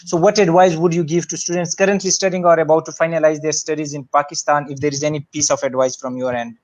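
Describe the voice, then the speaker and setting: Brief: male interview host, slightly high voice, eager, many "uh"s, dull lo-fi sound. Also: level tone, fast talker, darkish tone. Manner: enthusiastic, hesitant fillers. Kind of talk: online interview. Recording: muffled lo-fi audio.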